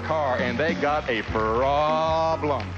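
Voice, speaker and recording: The voice moves in very wide pitch swings. Noticeable background noise sits behind it. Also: man. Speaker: preacher leading a church service. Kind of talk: live sermon preached to a congregation, improvised. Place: church. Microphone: lapel.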